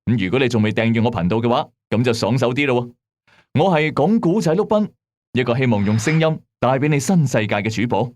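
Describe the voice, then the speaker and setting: A man with a Hong Kong Cantonese accent hosting a late-night strange-tales show, narrating scripted mysteries in a measured, dramatic storyteller's way. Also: medium pitch, animated, darkish tone. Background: background music.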